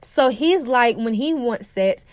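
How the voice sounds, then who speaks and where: A woman with a fairly high, expressive voice talks slowly on a dry recording with no echo. She hosts her own podcast as a dating coach, delivering an opinionated solo monologue, lecturing with emphasis and repeating her key phrases. She sounds congested from a cold.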